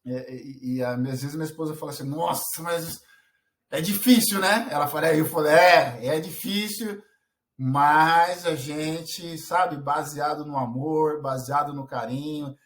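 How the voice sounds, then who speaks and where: A man's voice: fairly high pitch, steady tone, a little slow, fairly bright tone. Earnest, rambling man giving parenting advice. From Brazil. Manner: earnest, many restarts and filler words. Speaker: parenting vlogger. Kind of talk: casual talk to camera.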